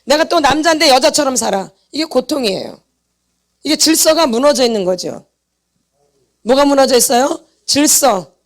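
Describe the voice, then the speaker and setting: A high-voiced pastor's wife teaches a healing seminar in a church meeting hall at a moderate pace and with lively intonation. With emphasis, she restates each point and quizzes listeners with quick questions that she then answers.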